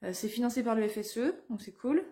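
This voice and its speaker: A woman's voice: fairly high pitch, brisk, dark tone. A middle-aged woman from France, an English teacher, chatting casually in a vlog, enthusiastic and full of fillers.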